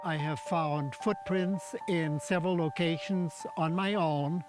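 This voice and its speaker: An older man speaks as an expert in a documentary interview, in a slightly high voice. He explains things precisely and formally, choosing his words with deliberation, while music plays clearly underneath. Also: fairly even intonation, measured pace.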